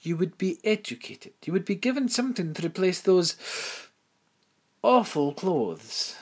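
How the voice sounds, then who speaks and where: A man's voice: sits high, very animated, a little slow, a little mellow, pitched above the performer's own voice, full character voice. A man voicing a prim, genteel headmistress who coaxes and fusses in a storybook reading. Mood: coaxing. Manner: genteel, coaxing, fussy. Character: prim genteel headmistress, woman, persuasive and sympathetic. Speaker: school headmistress.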